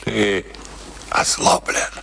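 Slow-spoken, gruff old soldier. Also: male voice, noisy background. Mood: weary, fearful. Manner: gruff, scornful, theatrical outbursts. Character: ailing, stubborn, embittered old soldier afraid of death. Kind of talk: radio play acting.

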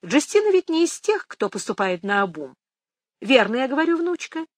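A wry, sharp-tongued old grandmother, voiced by a woman reading an audiobook. She teases with a lively, swooping pitch and an ironic edge. The sound is close and dry. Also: moderate pace, no room sound. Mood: teasing. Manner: ironic, teasing.

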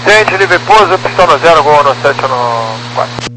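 A man speaking as a pilot over the aircraft radio, his voice sitting a little high and sounding distant. He talks in terse, clipped readbacks, and loud static and hiss bury much of the transmission. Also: lively intonation, moderate pace. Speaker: airline pilot. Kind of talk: clipped aviation radio phraseology. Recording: noisy, distant air-band radio.

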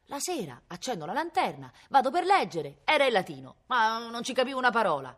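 A woman's voice: a little high, very animated, fairly quick, fairly bright tone, pitched above the performer's own voice. A woman reading aloud voices a shabby, bearded male bandit who talks in a hesitant, sheepish way.

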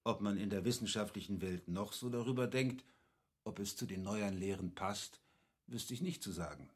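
Educated polite captain guy, slightly rough husky voice, formal and patient, classic radio play. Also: on the low side. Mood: modest. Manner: measured, didactic, formal. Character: learned, courteous captain patiently explaining, a cultivated man.

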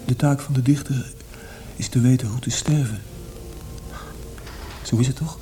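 An actor in a radio play voicing a gravely ill, melancholy man, speaking weakly and haltingly to a friend. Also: mid-range voice, dark tone, soft background music, lightly acted. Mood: insistent, grave. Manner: wistful, faltering, repeats words.

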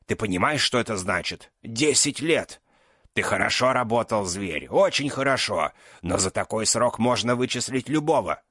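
A man's voice: fairly low pitch, big pitch swings, normal speed, a bit bright, no echo, studio quality, pitched above the performer's own voice. A man voicing a desperate aging magister who pleads with his former pupil. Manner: pleading, rising to outbursts.

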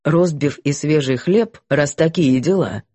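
Woman narrator voicing a blunt, bossy cook; low, slow, brusque. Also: warm tone, breathy edge, no room sound. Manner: brusque, commanding. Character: stern blunt female household cook.

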